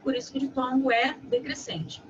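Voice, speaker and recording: A woman teacher giving a review lesson, explaining step by step in a didactic way and often checking in with quick tag questions. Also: sits high. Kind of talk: online lesson. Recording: muffled with steady background noise.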